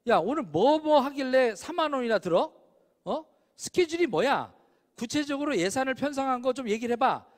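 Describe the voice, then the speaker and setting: A man's voice: extremely high pitch, lively intonation, normal speed. A man acting out a nitpicking, fault-finding classmate. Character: nitpicking analytical male classmate. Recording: long hall reverb.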